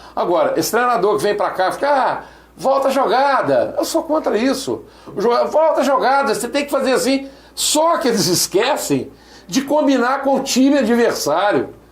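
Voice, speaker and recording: A man with an extremely high pitch speaks at a moderate pace, his intonation lively. Noticeable background noise and audible room echo fill the recording. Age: 60s. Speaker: sports pundit. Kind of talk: sports talk show commentary. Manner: animated, opinionated.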